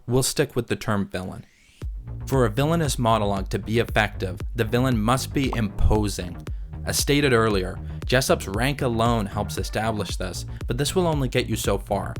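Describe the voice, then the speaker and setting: A man reading scripted analysis as a video essay narrator, in a measured, articulate, explanatory manner. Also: lowish voice. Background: background music.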